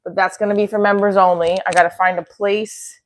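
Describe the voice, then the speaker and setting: A woman's voice: mid-range voice, level tone, brisk. Stuffy-nosed woman rambling, noisy recording. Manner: rambling, candid, blunt. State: congested. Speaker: live stream host, comedy creator and performer. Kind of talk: casual live stream chat. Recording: clearly noisy home recording with clicks.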